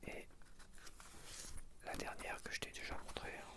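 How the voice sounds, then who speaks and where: A man with a French accent whispering softly in an unhurried ASMR video, showing the viewer a sticker album. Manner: soft, unhurried, talking to the viewer while flipping pages. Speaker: ASMR creator.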